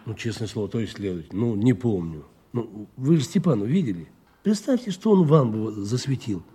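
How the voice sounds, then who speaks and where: A man's voice: fairly low pitch, animated, a little fast, mellow, husky. An actor playing an evasive, uneducated working-class man in an audio drama, cocky and folksy, with colloquial chuckling speech. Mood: uneasy, shifty. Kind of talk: Russian audio drama acting.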